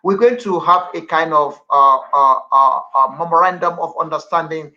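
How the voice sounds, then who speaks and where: Bright-voiced radio host, man. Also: on the high side, normal speed, highs cut off. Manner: formal, repetitive phrasing with hesitations. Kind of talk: radio talk show hosting.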